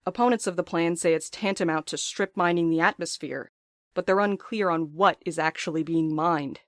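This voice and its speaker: An actor as uneasy thoughtful writer, audio drama monologue, mid-pitched, articulate, literary, measured, dry close recording. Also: dry recording, close to an everyday voice. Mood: troubled, confiding. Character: thoughtful, uneasy writer recounting observations in a private letter. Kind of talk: scripted first-person audio drama monologue.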